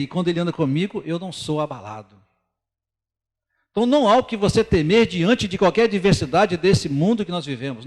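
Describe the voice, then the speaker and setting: A middle-aged Brazilian man with a fairly high voice preaches in an earnest, conversational way, pausing between thoughts. His sermon rings out in a church with a long, lingering reverb. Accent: Brazilian Portuguese. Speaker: lay preacher.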